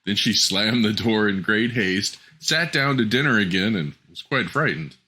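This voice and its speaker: A man narrating a scripted fairy tale as a storyteller, in a measured, expressive way. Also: on the low side, breathy edge.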